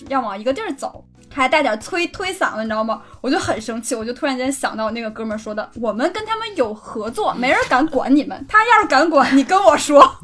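Fast-talking high-voiced woman telling a story. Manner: animated, laughs often while telling a story. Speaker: podcast host. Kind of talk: casual storytelling chat.

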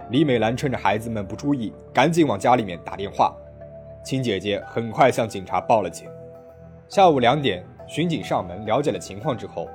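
A man tells a true-crime story from a script in a voice of middle pitch. He narrates dramatically, with a lively, swinging delivery that climbs on key moments. Soft music plays faintly behind him. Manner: dramatic storytelling with rising emphasis.

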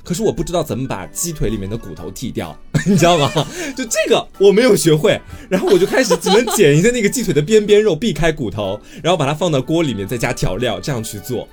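Male co-host, quick animated storyteller, faint music behind. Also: a little high. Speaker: podcast co-host. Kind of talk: casual chat.

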